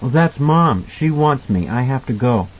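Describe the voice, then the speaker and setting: Audiobook role: small boy, acted by a man. Raised pitch, husky edge, polite, trusting, slightly timid. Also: animated, normal speed, lo-fi sound, close to an everyday voice. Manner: polite, candid, tentative. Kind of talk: audiobook character dialogue.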